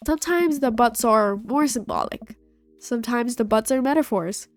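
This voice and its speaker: A young woman who hosts gaming videos reads a dating game aloud playfully, stuffy-nosed from a cold, and voices all of its characters herself. Her voice is fairly high and her pace moderate, with faint game music in the background.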